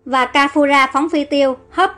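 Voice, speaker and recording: A woman narrates an audio story in a high, expressive voice. Her reading is lively and carries the scenes along. Soft music plays faintly beneath her. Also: moderate pace.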